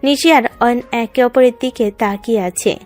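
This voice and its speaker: A woman's voice: a little high, moderate pace, a little mellow, soft background music. Woman narrating a dramatic romance story.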